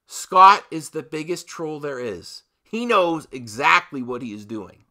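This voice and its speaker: A man hosting an opinionated movie commentary, with a very bright, forceful voice pitched a little high. He speaks slowly and emphatically, breaking his points up with dramatic pauses and repeating phrases to drive them in. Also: animated. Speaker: host of a movie commentary channel. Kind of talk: opinionated video commentary rant.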